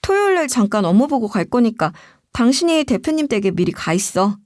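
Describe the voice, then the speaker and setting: A woman's voice: fairly high pitch, big pitch swings, a little fast, a little mellow, dry recording, studio quality. A woman reading the lines of an easygoing husband in a storytelling narration. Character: casual cheerful husband, office worker.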